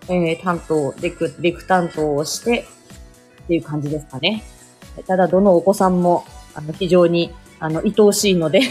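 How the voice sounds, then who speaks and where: A middle-aged woman from Aomori, a speech therapist, chatting casually on a morning livestream and answering listener comments, with lots of fillers and laughs. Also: fairly low pitch.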